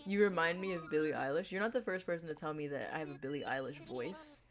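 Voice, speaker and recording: A young woman with a deep voice chatting casually on a gaming livestream, rambling in a playful, laid-back way. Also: fast talker. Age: young adult.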